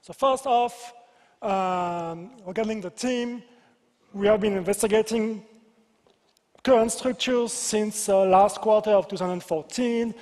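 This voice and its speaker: A game designer with a French accent gives a conference talk in a large convention hall, playful and self-deprecating with joking asides. His voice sits high with a darkish tone, and the hall is reverberant.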